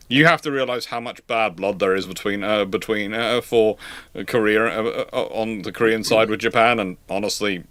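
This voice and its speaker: A man's voice: on the low side, moderate pace, fairly bright tone, dry recording. A man hosting an informal live history Q&A, hesitant and repeating words as he thinks, with dry, wry humour. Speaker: host answering audience questions.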